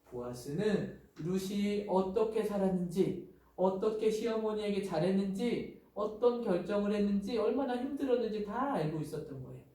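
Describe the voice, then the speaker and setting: A male pastor with a high voice gives a children's sermon as an animated storyteller, speaking at a moderate pace. He is heard from a distance in a very echoey room.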